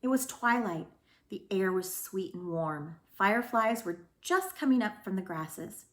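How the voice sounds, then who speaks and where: A woman with a mid-pitched voice in a roomy, echoey space. She speaks as a librarian sharing a picture book with children, telling it expressively. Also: animated, measured pace. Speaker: school librarian reading aloud to children. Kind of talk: storybook read-aloud with informal introduction.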